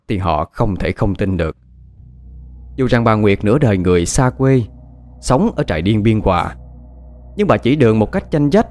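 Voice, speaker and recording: A man's voice: fairly low pitch, darkish tone. A man narrating a horror story in a dramatic, scripted way.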